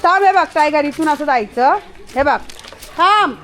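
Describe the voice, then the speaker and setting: High-voiced woman scolding her dog. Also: animated, normal speed. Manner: scolding, affectionate, calls out loudly. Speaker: vlogger. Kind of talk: casual vlog talking to her dog and viewers. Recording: busy crowd noise behind.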